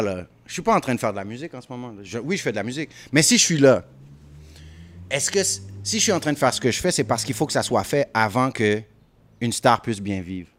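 A man with a Haitian-tinged French accent, a rapper telling stories in a casual interview, dropping English phrases. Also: medium pitch. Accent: Haitian French mixed with Quebec French. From Montreal. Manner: animated storytelling, mixes English phrases. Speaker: rapper guest.

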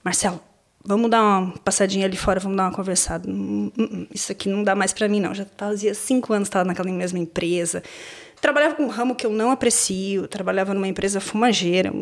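A Brazilian woman in her thirties, an exchange agent guest, telling her story in an animated, exclamatory way in casual podcast talk. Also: mid-range voice, fast talker, creaky. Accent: Brazilian Portuguese.

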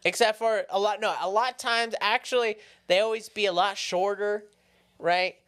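A man's voice: high-pitched, steady tone, moderate pace, fairly bright tone, smooth. A man co-hosting a podcast, bantering casually, riffing on jokes and laughing mid-sentence. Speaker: podcast co-host.

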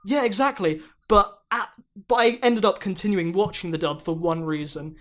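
A man's voice: sits high, moderate pace, fairly bright tone. A man hosting a podcast, telling stories casually in a rambling way full of "like" and "um". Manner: rambling, filler-heavy storytelling. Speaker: podcast host. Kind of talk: casual chat.

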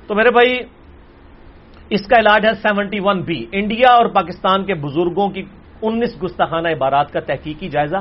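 A high-voiced man answers questions in a religious lecture. He is forceful and animated, loud on the points he stresses and dropping low for asides. The recording is dull and lo-fi. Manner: forceful, animated, swings between loud emphasis and quiet asides.

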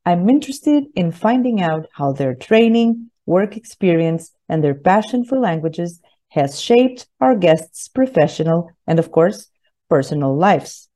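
Woman interview host, lowish mellow voice, upbeat and giggly. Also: animated, unhurried. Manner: enthusiastic, laughs often. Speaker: podcast host. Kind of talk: interview podcast hosting.

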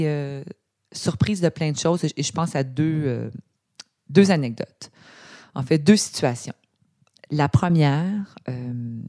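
A woman from Quebec with a Québécois accent, a guest telling her experiences in a conversational interview, animated and quoting others as she goes. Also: sits low. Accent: Québécois French. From Quebec, Canada. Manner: animated storytelling with imitated quotes.

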